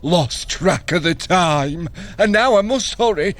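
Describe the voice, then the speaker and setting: A man's voice: high-pitched, animated, takes it slowly, fairly bright tone, full character voice. A man acting in an audio drama as a trickster god posing as a chatty servant woman, with a breezy, affected manner. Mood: breezy, hurried.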